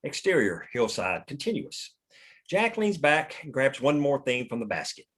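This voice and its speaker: A man's voice: mid-range voice, big pitch swings, normal speed, fairly bright tone, breathy edge. A man narrating stage directions at a scripted table read.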